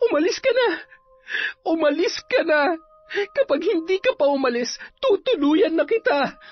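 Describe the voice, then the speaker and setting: A shrill young woman sobs out her words in a high, strained voice, tearful and vengeful, as a male storyteller puts her on. The recording is slightly dull, with faint music underneath. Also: very animated, moderate pace. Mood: tearful, furious.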